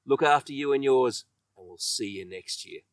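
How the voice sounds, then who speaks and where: A man reading a children's story with expressive, emphatic delivery, letting his phrase endings trail off. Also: mid-range voice, moderate pace, dry recording, clean studio sound, distant mic. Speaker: children's author reading own book.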